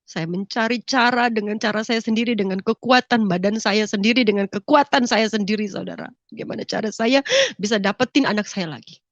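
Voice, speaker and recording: A woman's voice: mid-range voice, brisk, no room sound. A middle-aged woman giving an emotional church testimony, tearful and sniffling, often turning to her listeners as brothers and sisters. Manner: addresses listeners as "saudara", voice breaking with grief. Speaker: testimony speaker. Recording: dull lo-fi dry recording.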